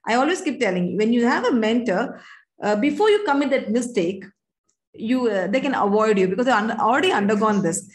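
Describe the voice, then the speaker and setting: A woman's voice: on the high side, lively intonation, fairly quick. A middle-aged woman with an Indian accent hosting a conversational live talk show, speaking earnestly and emphatically, straight to viewers. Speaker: talk show host and communication coach. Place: indoors on a video call.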